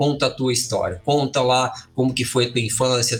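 Noticeable background noise sits behind the speaker. He is a man with a medium pitch. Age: 50s. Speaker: triathlon coach and former pro triathlete. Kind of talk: interview.

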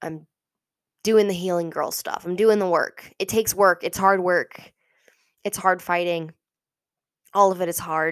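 A woman at medium pitch speaks in a monotone, flat intonation, with long, frequent pauses. The recording is very clean with a silent background. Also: moderate pace. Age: 20s. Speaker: podcast host. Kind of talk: personal monologue. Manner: low energy.

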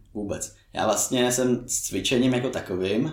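A man talks at a moderate pace. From Central Bohemia, Czech Republic. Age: 20s. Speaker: bodybuilder. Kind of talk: interview.

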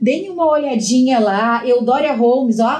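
A high-pitched woman's voice with ordinary pitch variation and audible room echo. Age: 40s. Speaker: film commentator. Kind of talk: casual chat.

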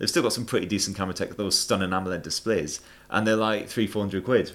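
This man's pitch is fairly low, with ordinary variation. He speaks at a very fast pace. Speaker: YouTuber and tech journalist. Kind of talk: casual interview chat.

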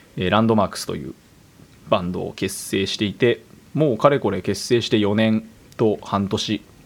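This man talks at a fairly low pitch and a moderate pace. His pitch varies in an ordinary way. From Fukushima, Japan. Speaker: podcast co-host, office worker and musician. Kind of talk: casual chat.

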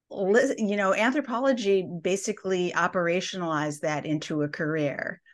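Against a quiet background, a woman with an American accent uses a normal speaking voice, fairly low in pitch, at a moderate pace. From US Midwest, Madison, Wisconsin. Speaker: anthropology professor and author. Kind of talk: interview.

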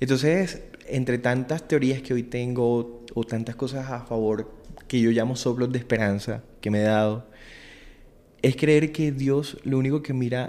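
The voice has a dark, mellow tone and fairly even intonation. Its pace is fairly slow. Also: man. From Colombian Caribbean coast, small town. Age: 20s. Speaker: advertising agency owner and writer. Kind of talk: personal testimony in interview.

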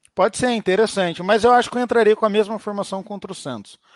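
A man's dry, close voice with no echo, against a quiet background. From Limeira, São Paulo state, Brazil. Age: 20s. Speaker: insurance broker, football fan guest. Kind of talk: casual chat.

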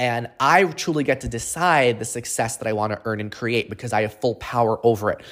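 In an animated, upbeat tone, the speaker talks at a fairly quick pace with hardly any pauses and ordinary pitch variation. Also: man, medium pitch for a man. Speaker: life coach and podcast host. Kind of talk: solo podcast monologue. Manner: animated, upbeat, promotional.

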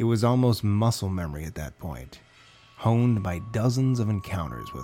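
The delivery is plain reading aloud.

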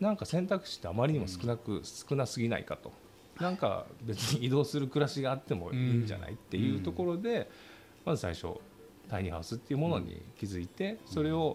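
A man talks at a fairly quick pace and a medium pitch. His pitch swings very widely. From Hyogo, Japan. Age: 40s. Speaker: social company founder. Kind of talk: casual interview.

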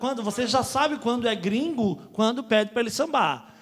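Over noticeable background noise, a man talks in an animated tone at an extremely high pitch. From Florianópolis, southern Brazil. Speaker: TV and YouTube music show host. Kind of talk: casual talk-show interview. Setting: TV studio.

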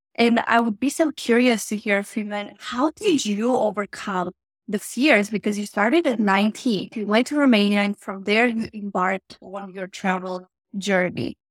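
The recording is dry and close with no echo, as a woman at medium pitch talks at a moderate pace with ordinary pitch variation. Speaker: podcast host and coach. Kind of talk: podcast interview, warm conversational. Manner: animated, enthusiastic.

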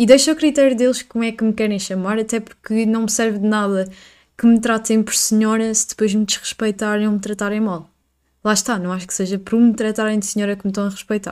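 The speaker talks at a very fast pace in a European Portuguese accent, with fairly even intonation. The recording is very clean, with a silent background. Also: woman, fairly high pitch for a woman. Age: 20s. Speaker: podcast host. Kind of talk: solo monologue.

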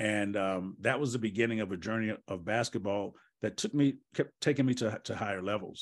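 In an American accent, a man with an ordinary speaking voice talks at a fairly quick pace, his fairly low pitch showing ordinary variation. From US Midwest (Wisconsin). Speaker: motivational speaker and basketball coach. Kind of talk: interview storytelling.

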